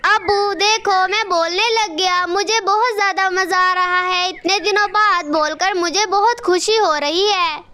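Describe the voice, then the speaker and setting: A woman voicing a young male crow child who talks in an excited, childlike way. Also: extremely high pitch, unhurried, few pauses, slight background noise, heavily acted.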